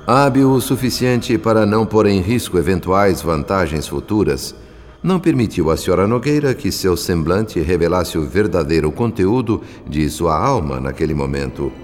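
Deep-voiced male radio drama narrator. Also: lively intonation. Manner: formal, literary, measured. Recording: long reverb, soft music behind. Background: faint music.

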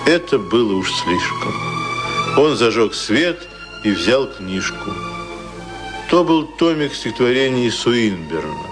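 A man's voice: mid-range voice, big pitch swings, slow pace. A man narrating a radio drama in a scripted, literary storytelling style. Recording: radio play, loud music under voice.

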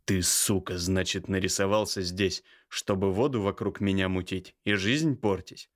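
A man voicing an enraged older brother who threatens slowly and with contempt. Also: sits low, lightly acted. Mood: furious, menacing. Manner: growling, slow and threatening. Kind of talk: audiobook character voice.

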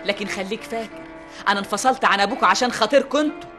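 A woman's voice: racing, pushed and bright, faint music behind, lightly acted. An actress playing a strict, anxious mother of grown sons in a radio drama, scolding them with an Egyptian accent. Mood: grave. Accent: Egyptian Arabic. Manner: scolding, shrill. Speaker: mother character.

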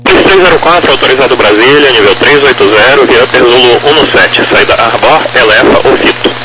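A man's voice: mid-range voice, brisk. A Brazilian man giving terse, procedural air traffic control instructions over the radio. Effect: radio transmission. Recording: very noisy aviation radio.

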